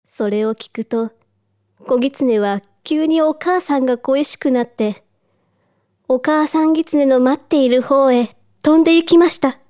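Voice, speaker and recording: High-voiced woman slowly reading a storybook. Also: no room sound, studio quality. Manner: soft, careful storytelling. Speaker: narrator.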